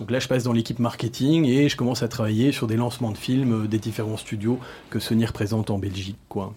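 A man's medium-pitched, somewhat breathy voice with a dark, mellow tone, fairly even intonation and a fairly quick pace. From Belgium, Brussels. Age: 40s. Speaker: restaurant owner. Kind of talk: radio interview. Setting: studio.

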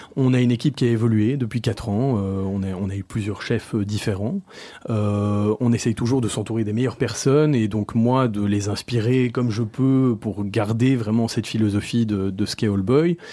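With a plain, everyday voice, a man of medium pitch talks at a moderate pace with fairly even intonation. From Belgium, Brussels. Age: 40s. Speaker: restaurant owner. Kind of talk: radio interview. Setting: studio.

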